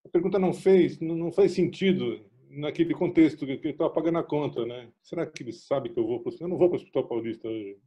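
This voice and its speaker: Man, São Paulo accent, doctor, mellow dark voice, storyteller. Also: a little high, quick pace, few pauses, dull audio. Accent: São Paulo Brazilian Portuguese. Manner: storytelling, acts out dialogue. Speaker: physician guest. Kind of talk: explanatory casual chat.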